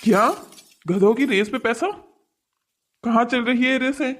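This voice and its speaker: A man's voice: very high-pitched, unhurried, a bit bright, slight background noise. A man voicing a stern, exasperated father who scolds sarcastically in a cartoon moral story. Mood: outraged.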